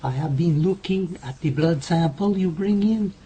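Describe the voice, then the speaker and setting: A man's voice: fairly high pitch, normal speed, warm tone, slight background noise, natural voice, low-quality recording. A man playing an earnest lab scientist in a radio drama, speaking formally, politely and precisely.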